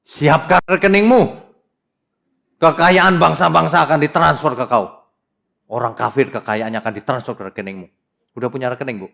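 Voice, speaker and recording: A middle-aged male pastor preaching a sermon in an animated, teasing way, putting questions to the congregation and reading scripture slowly and dramatically. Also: medium pitch, vocal fry.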